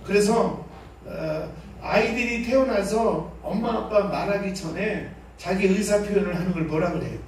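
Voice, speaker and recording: A man pastor leading a revival seminar, loud and animated, shouting prayer cries and joking with the crowd. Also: high-pitched, moderate pace, slight background noise. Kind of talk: revival sermon with call-and-response. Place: large church hall. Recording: echoey hall, voice from far off.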